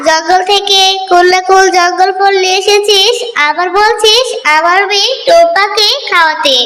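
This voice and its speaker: Woman acting a cartoon mother fox, very high bright voice, scolding, suspicious. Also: steady tone, moderate pace. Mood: suspicious, angry. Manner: scolding, accusatory. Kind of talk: children's cartoon dubbing. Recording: echoey with clear background noise.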